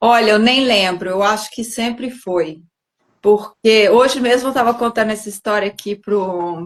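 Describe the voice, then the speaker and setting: In a slight Minas Gerais accent, a woman talks at a fairly slow pace with a fairly high pitch and ordinary pitch variation. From Brazil, Minas Gerais (Belo Horizonte). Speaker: former ballet dancer, artistic coordinator. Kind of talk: interview. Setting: live online video call.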